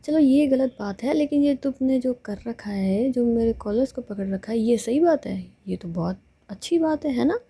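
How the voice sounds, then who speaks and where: A woman's voice: a little high, expressive, moderate pace, warm tone, husky. A woman voicing a playful young woman in love who teases her girlfriend in a told love story. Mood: teasing. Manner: teasing, joking.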